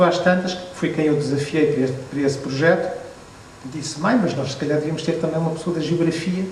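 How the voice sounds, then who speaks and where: A Portuguese man in his fifties with a European Portuguese accent and a slightly raised pitch shares memories in a meandering, self-deprecating way. He is picked up from across an echoey hall. A faint hiss lies underneath. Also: darkish tone. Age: 50s. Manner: reflective storyteller, hesitant restarts, wry self-deprecating asides. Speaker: photographer and book author at a presentation. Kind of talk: relaxed anecdotal talk to an audience. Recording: echoey room, distant mic, faint noise.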